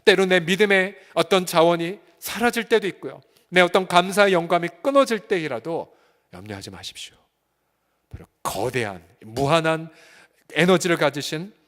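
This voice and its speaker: A male pastor preaching a sermon with fervor, swinging between soft, quiet stretches and loud, rising appeals. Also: fairly high pitch, in a large hall. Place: church sanctuary.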